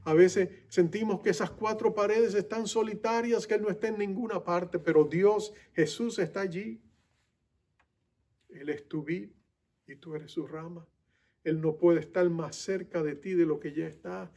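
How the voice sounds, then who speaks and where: Man, pastor, sermon, high voice, passionate, loud then hushed. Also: fairly even intonation, unhurried. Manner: passionate, swings from loud urgent to soft intimate; speaks directly to listener as "tú".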